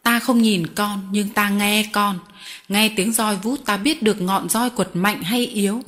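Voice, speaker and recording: A woman's voice: medium pitch, steady tone, a little slow, fairly bright tone, natural voice. A woman reading an audiobook voices a sly, cruel male boss who talks sweetly while threatening children, in a mocking, menacing way. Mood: coaxing.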